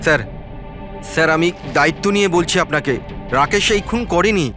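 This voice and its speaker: Casting: man as earnest, respectful defender in a crime serial, high male pitch, quick delivery. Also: over music, close to an everyday voice. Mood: earnest, insistent. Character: earnest, deferential man defending a young lad. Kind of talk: TV crime drama acting.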